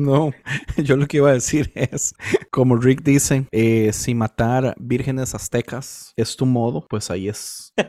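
A man speaks at a fairly slow pace with a Costa Rican accent. The sound is dry and close, with no echo. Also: medium pitch for a man, ordinary pitch variation. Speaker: podcast host. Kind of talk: casual discussion.

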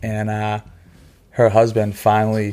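A man with a Boston accent speaks at a fairly slow pace. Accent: Boston-area Massachusetts. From Massachusetts South Shore (Hanson). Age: 40s. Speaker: person in addiction recovery. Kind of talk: personal testimony in casual interview.

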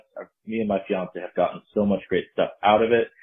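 Here is a man with a normal speaking voice at medium pitch. He talks at a moderate pace. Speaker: listener leaving a voicemail. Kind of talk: voicemail message. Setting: phone voicemail.

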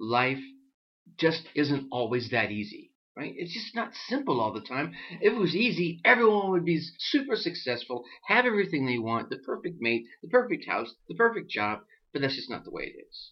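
A man speaks at a moderate pace with a fairly high pitch and vocal fry. His pitch swings very widely and his loudness shifts in big swings. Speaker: motivational podcast host. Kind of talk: motivational monologue. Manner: salesman-like pitch; conversational, uses fillers.

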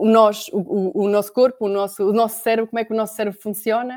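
A woman talks fairly quickly, her voice pitched fairly high. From northern Portugal. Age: 40s. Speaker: dentist. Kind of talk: interview. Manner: halting.

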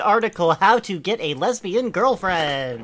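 A woman's bright, sharp tone with vocal fry, very wide pitch swings, and a fairly slow pace. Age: 40s. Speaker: podcast host. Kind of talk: comedic reading and banter. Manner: animated.

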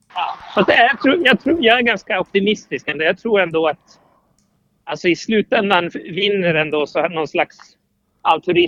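At a moderate pace, a man with a high pitch and a bright, sharp tone speaks with lively intonation, the sound dry and close with no echo. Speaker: caller. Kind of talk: casual chat. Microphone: quiet phone line, turned up.

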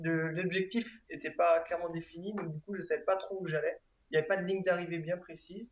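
A man speaks at a very fast pace with a high pitch. His intonation stays fairly even. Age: 20s. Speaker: entrepreneur. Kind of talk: interview.

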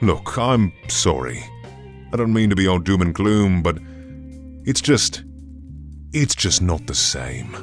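Over clear music in the background, a man puts on a whiny character voice, very deep and low, with very wide pitch swings, a fairly slow pace and long, frequent pauses. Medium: audio drama. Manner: gloomy, sulky, whining, then brooding about revenge.

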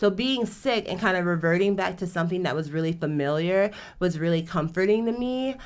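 A woman with an American accent has an unremarkable speaking voice at a fairly low pitch with ordinary pitch variation. She talks at a fairly quick pace. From US South, Georgia (Atlanta). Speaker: entrepreneur. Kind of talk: casual chat.

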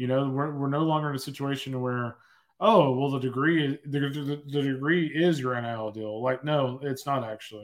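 Speaking at a moderate pace with a Texan accent, a man uses a fairly high pitch and fairly even intonation on a very clean recording with a silent background. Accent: Texan American. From Texas. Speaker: college baseball journalist. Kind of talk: casual chat.

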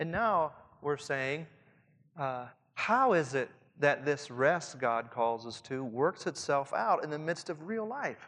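The speaker has a southern Indiana accent. The background is quiet. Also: man. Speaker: preacher, conference speaker. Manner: rhythmic, uses repetition and pauses.

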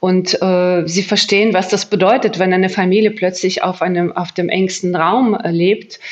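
A woman with a Russian accent speaks fairly slowly and with hardly any pauses, her medium-pitched voice monotone and flat and her loudness very even. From Ukraine, Chernivtsi. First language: Russian (speaking German). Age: 30s. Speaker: human rights activist and historian. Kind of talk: podcast panel interview.

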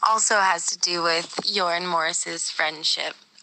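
Using an ordinary speaking voice, a woman talks at a fairly slow pace and a fairly low pitch. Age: 20s. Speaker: law student. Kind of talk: interview questions.

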